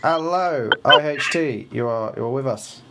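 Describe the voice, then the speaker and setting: A man's voice: mid-range voice, moderate pace, very noisy. A man hosting a casual live election stream, rambling through results with fillers and restarts.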